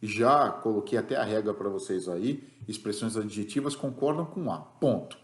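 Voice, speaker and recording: A man's voice: on the low side, normal speed, echoey room. A man with a Brazilian Portuguese accent teaching an English grammar lesson, explaining rules patiently and checking in with the class after each point.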